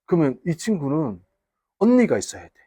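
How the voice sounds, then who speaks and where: A man from the Gyeongsang region teaches English to a class, joking and teasing his students as he goes. His voice is husky and a little high, and his pitch swings widely. The sound is dry and close, picked up on a wearable mic in a classroom. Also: huge pitch swings, a little fast, dark tone, dry recording. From Gyeongsang region, Korea. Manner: teasing, chatty, banters with students. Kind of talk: casual classroom lecture.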